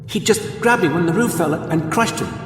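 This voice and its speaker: A man's voice: sits high, lively intonation, moderate pace, echoey room, big-room sound, soft background music, pitched above the performer's own voice. Man doing a frightened pleading young girl.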